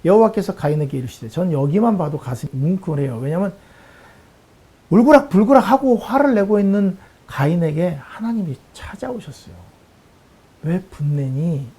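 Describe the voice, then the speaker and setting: A male pastor delivers a Bible lesson sermon in a gravelly, husky voice with a dark, mellow tone. His pitch swings widely as he preaches. He acts out the lines he quotes. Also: animated, fairly quick.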